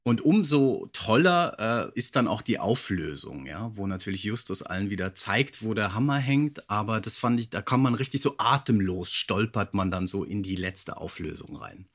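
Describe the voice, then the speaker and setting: A man's voice: fairly low pitch, expressive, normal speed, few pauses, a bit bright. A man hosting a podcast, chatting casually and enthusiastically as he reviews an audio drama. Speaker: podcast host.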